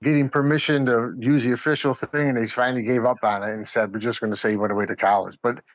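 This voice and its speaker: A man talks casually in a medium-pitched voice, repeating words to make his point. The recording is dry but a little dull. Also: steady tone, quick pace, dry recording. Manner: emphatic, repeats words for emphasis. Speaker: guest, community theatre player. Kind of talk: casual conversational storytelling. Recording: slightly dull, lo-fi audio.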